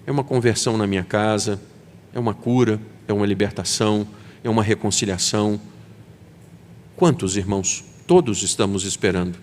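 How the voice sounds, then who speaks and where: A man's voice: lowish voice, a little fast, slight background noise. A man with a Brazilian Portuguese accent, preaching a sermon as pastor and acting out quoted voices. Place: church sanctuary. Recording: long hall reverb.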